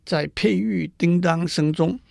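A male storyteller who retells a classic fable and explains old poetry at a measured, even pace. His voice is high for a man with a gravelly grain, recorded close and dry. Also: no echo. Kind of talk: storytelling narration for listeners.

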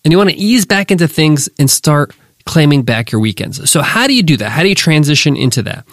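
A man's voice: fairly high pitch, sing-song, fairly quick, dry recording, studio quality. A man hosting a business podcast lesson, sounding nasal and congested from a cold, talking in an upbeat, motivational way straight to his listeners. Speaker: podcast host.

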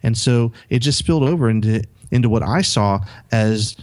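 A man's voice: medium pitch, moderate pace, darkish tone. A middle-aged man on a podcast, casually telling a story with many restarts and acted-out quotes. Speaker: podcast co-host.

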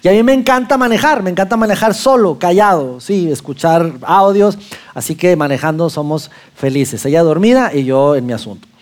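A man with a Mexican accent telling a lively personal anecdote to an audience, acting out his own lines as he goes. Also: sits high, a little fast.

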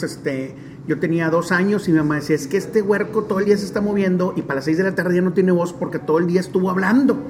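A man in his forties from Monterrey with a northern Mexican accent, telling stories in an interview in a chatty, animated way with many fillers. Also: a little high, background noise. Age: 40s. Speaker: stadium DJ and announcer. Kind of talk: relaxed storytelling interview.

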